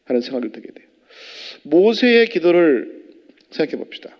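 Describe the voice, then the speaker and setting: Male pastor, animated sermon delivery, quizzes the congregation, somewhat high voice, long church reverb. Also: moderate pace, lo-fi sound. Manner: animated, fires rhetorical questions at the congregation. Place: church sanctuary.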